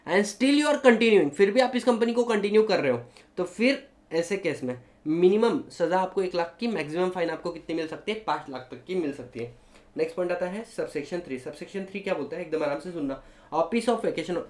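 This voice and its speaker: A man with an Indian accent teaching law to a class, animated and switching between Hindi and English, often asking students if they follow. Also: high-pitched, roomy sound. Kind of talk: classroom lecture.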